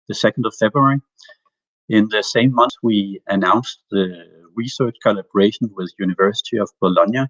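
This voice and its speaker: A man with a fairly low voice delivers a prepared corporate update, steady and measured with small hesitations. The audio is dry and dull, like a lo-fi call feed. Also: no room sound. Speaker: company executive presenting results.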